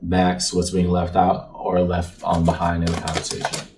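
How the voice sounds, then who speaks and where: A man's voice: low-pitched, monotone, normal speed. A man speaking casually and conversationally to the viewer as a fortune-telling tarot card reader. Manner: conversational, checks in with "right?". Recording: distant mic, faint background noise.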